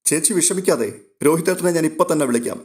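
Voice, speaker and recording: A man voicing a caring, eager young woman in an audio story, asking quick concerned questions. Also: fairly high pitch, darkish tone, pitched above the performer's own voice, natural voice.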